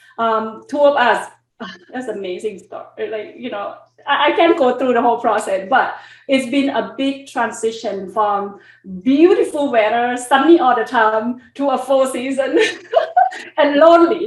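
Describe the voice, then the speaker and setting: At a fairly slow pace, a woman with a Thai accent speaks in a high pitch with lively intonation. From Thailand. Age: 40s. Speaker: community fundraiser and pageant titleholder. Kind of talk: interview. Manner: halting.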